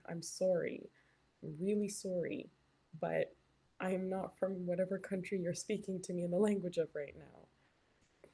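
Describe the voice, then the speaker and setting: A woman's voice: lowish voice, fairly even intonation, a little slow, gravelly, warm tone. A young woman from Canada, chatting casually as a live stream host while reading her chat, with lots of "like" and "um". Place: hotel room.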